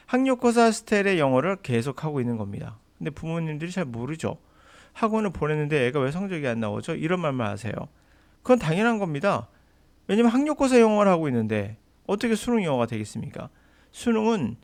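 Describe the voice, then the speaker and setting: A man teaching an English lesson in an emphatic, argumentative lecture style. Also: fairly high pitch.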